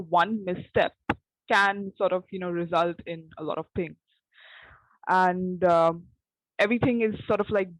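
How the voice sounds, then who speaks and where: A woman's voice: on the low side, no room sound, poor audio. A young woman playwright speaking in a roundtable discussion, piecing her thoughts together hesitantly with repetition.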